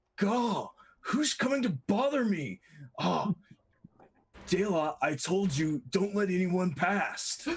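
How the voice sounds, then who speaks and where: A man puts on a raspy character voice at a high pitch, swinging very widely in pitch while his loudness stays very even. He moves at a fairly slow pace with long, frequent pauses. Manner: annoyed, gruff.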